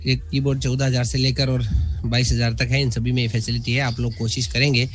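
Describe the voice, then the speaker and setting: A man's voice: mid-range voice, flat delivery, fairly quick. Guy teaching keyboard stuff online, mid voice, lots of ums and restarts, faint music behind. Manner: explains step by step, many fillers and restarts. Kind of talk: spoken online lesson.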